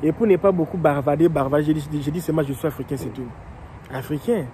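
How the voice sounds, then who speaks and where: A man talks through immigration questions, with a very dark, mellow tone on a slightly raised pitch. He goes slowly, repeating himself and pausing on fillers. Faint city traffic hums behind him outdoors. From Democratic Republic of the Congo. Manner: slow and repetitive, with frequent hesitations and restarts. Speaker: immigration vlogger and coach. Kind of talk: casual explanatory monologue.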